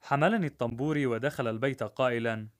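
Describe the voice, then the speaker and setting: A man narrating a rhymed story in a measured, rhythmic way. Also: mid-range voice.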